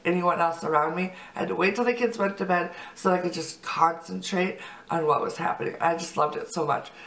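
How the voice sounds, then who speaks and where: A woman's voice: lowish voice, a bit bright, reverberant, recorded from a distance, poor audio. A woman in her thirties, congested from a cold, chatting upbeat to camera about her monthly favorites. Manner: chatty, upbeat, lots of fillers. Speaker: vlogger. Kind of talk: casual chat to camera.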